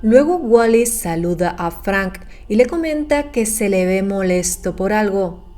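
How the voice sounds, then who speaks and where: A woman narrates a scripted horror recap in a measured, explanatory way. Her voice is dark and mellow, with a medium pitch and a very slow pace. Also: expressive, faint music behind.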